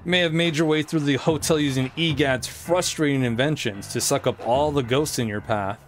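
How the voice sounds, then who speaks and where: A man voicing a gloating, short-tempered ghost king villain from a video game, with slow theatrical menace. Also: mid-range voice, soft background music, natural voice. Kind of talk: reading video game dialogue aloud in character.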